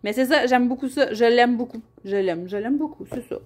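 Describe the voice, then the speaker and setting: A woman's voice: fairly high pitch, brisk. A young woman with a Québécois French accent, chatting casually as a colouring vlogger, rambling with fillers and restarts. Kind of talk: casual chat showing colouring books.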